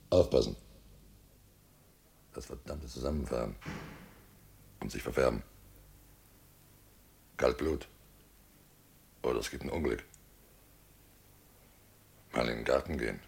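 An actor playing a guilt-ridden, wily village innkeeper, nervous and falsely jovial, in a radio play, with a gravelly, husky voice. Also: male voice, extremely low pitch, slow, pauses often, darkish tone, full character voice. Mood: furtive, tense. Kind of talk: German radio play acting.

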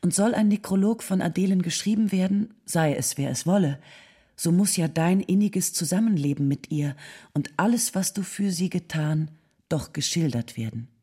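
An earnest nineteenth-century lady reading her letter aloud. The voice is husky and dark, on the low side, and she speaks formally and with tactful persuasion. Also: moderate pace. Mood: gently insistent. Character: Ottilie von Goethe, earnest, tactful 19th-century lady writing condolences.

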